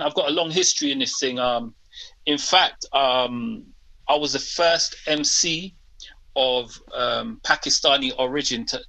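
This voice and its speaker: A man's voice: mid-range voice, gravelly, breathy edge, low-quality recording. A man in his fifties with a London accent, talking casually as a guest rapper in an interview. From England. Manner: relaxed, says "man" often.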